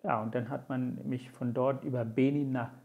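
Through narrow, tinny audio comes a medium-pitched male voice with vocal fry, fairly even intonation and moderate speed. He's a man in his forties from Sri Lanka whose first language is Tamil, recounting his experiences as an interviewee thoughtfully and sincerely, often hesitating with fillers.

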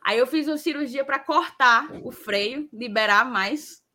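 Female host, Ceará accent, slight lisp on s, bright higher voice, casual and informal. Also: unhurried. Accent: Brazilian Northeastern, Ceará. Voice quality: slight lisp, tongue-tied s sounds. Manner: informal, repeats phrases for emphasis. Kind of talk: casual live chat, reading viewer messages.

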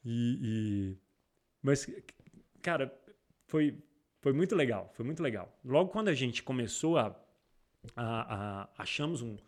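A little slow and pausing often, this medium-pitched Brazilian man speaks with a Brazilian Portuguese accent. He's an entrepreneur guesting in a relaxed interview, telling rambling stories with frequent restarts and animated retellings.

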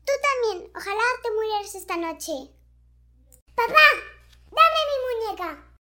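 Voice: very high-pitched, animated, unhurried, bright, forceful tone, full character voice. A performer voicing a rude, demanding monster child in an audio drama, whiny and spiteful. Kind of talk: audio fiction acting.

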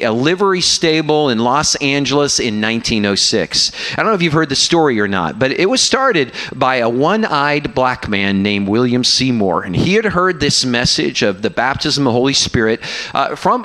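A man preaching a sermon with a bright, forceful voice that sits a little high for a man. He teaches with lively asides and keeps pulling the congregation in with questions. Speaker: university guest preacher.

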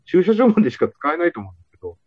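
A man with an Ibaraki accent, hosting a casual podcast chat with quick jokes and frequent laughter. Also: on the high side, sing-song, dull audio. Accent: Ibaraki dialect. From Ibaraki, Japan. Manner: quick, joking, laughing often. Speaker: podcast host.

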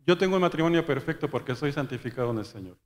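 Male pastor, higher voice, lively storytelling sermon, long hall reverb. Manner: storytelling, quick and conversational, acting out dialogue. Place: church hall.

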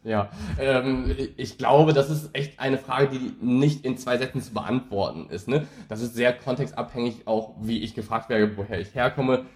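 A man in his thirties, born in Taiwan and raised in Germany, talking as a podcast guest in a thoughtful, hesitant way with many pauses and tag questions. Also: medium pitch, a little mellow, reverberant. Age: 30s. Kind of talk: casual interview conversation.

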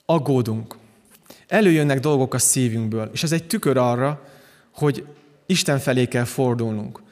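Man preaching in a reverberant hall. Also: mid-range voice. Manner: calm, earnest preaching with frequent restarts. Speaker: pastor. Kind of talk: sermon.

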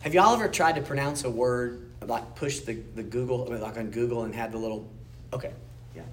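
A man's voice: medium pitch, fairly quick. A man teaching an informal Bible history class in a church room, explaining in a conversational way and often checking in with his listeners. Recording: echoey room, faint background noise.

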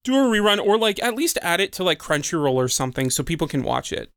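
Casting: young male podcast co-host, relaxed and rambling with lots of fillers, slightly high voice, dry close mic. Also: fast talker, creaky, no echo. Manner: laid-back, filler-heavy. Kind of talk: casual podcast chat.

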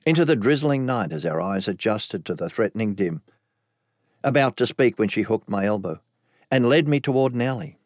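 A man's voice: fairly low pitch, animated, normal speed, darkish tone, dry recording, clean studio sound. A man narrating an audiobook in the first person, telling the story evenly.

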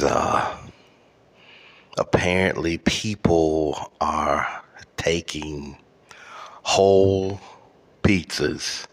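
Casting note: very low-voiced male podcast host, slow profane comic rant, exasperated. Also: a bit bright. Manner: profane, exasperated ranting with stammered repeats. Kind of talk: comedic rant.

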